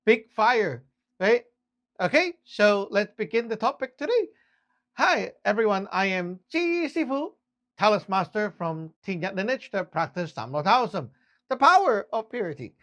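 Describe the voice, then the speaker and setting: A Taoist master from Hong Kong talks in casual explainer fashion, with a clear Hong Kong accent and a Cantonese speaker's English. The delivery is loose and conversational, often checking in with the listener mid-thought. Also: medium pitch, big pitch swings, measured pace, a bit bright. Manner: chatty and loose, often asks "right?".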